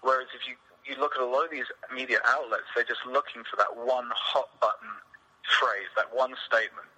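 A man's voice: mid-range voice, fairly even intonation, brisk, bright, forceful tone, slightly rough, poor audio. A man from England with a British accent, speaking as a guest in a candid, rambling interview. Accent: British English. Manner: outspoken, rambling with frequent restarts. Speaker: podcast guest.

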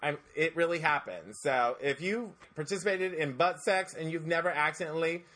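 A man's voice: on the high side, moderate pace, bright, forceful tone. A man co-hosting a podcast, trading bawdy, campy jokes and doing dramatic impressions of his friends. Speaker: podcast co-host. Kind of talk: bawdy casual banter. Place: indoor room at a shared table.

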